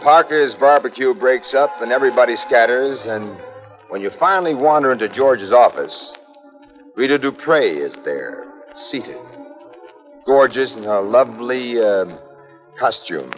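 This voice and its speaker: A man's voice: medium pitch, animated, unhurried, faint music behind, close to an everyday voice. A man playing a tough, wry private detective who narrates, in a clipped wisecracking 1950s radio drama style, on an old muffled transcription. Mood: cool.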